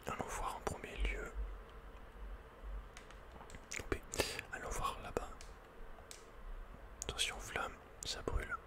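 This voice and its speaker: A man whispering playful, casual ASMR commentary over a video game in a breathy, unvoiced voice, close to the microphone. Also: takes it slowly, long pauses.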